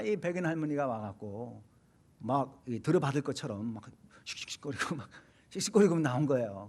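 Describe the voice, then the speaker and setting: A middle-aged man from Korea preaching a sermon, telling a personal story with frequent hesitations and repeated phrases. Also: a little high. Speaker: pastor.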